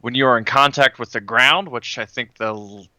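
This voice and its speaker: A man's voice: mid-range voice, normal speed, bright, forceful tone, dry recording. A man playing a tabletop role-playing game, describing his moves in casual, playful table talk.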